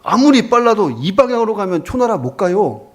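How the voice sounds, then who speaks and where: A man's voice: high voice, sing-song, fairly quick, voice pushed up. A man voicing a local who keeps insisting on directions to a traveler, with a raised, insistent delivery, told as a story in a sermon. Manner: insistent, increasingly exasperated.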